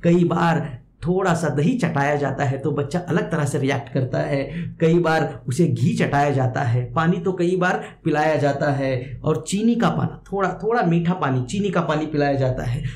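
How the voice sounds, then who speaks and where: A man with a high voice teaches a Hindi poem, reading each line and then restating it in several ways. The recording has an echoey room sound with faint background noise. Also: normal speed, darkish tone. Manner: repeats words and gives synonyms, pitch rising when quoting verse.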